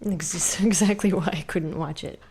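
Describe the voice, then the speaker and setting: A woman co-hosting a podcast in an easygoing, casual way, quick to laugh between remarks. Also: on the low side, dark tone, breathy edge. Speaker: podcast co-host.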